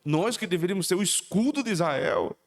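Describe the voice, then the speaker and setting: A man preaching a sermon, animated, jumping between loud emphatic peaks and low quiet asides at a shifting pace. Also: brisk. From Northeast Brazil. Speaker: pastor. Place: church sanctuary. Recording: long hall reverb.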